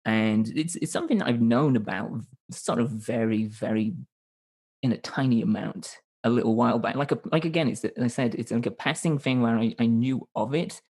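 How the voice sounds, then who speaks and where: A man's voice: medium pitch, normal speed, darkish tone. A man in his thirties from Northern England with a Northern English accent, a podcast guest talking in a loose, rambling way with frequent restarts. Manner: rambling, self-correcting, with frequent restarts and hedges. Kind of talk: casual conversational interview.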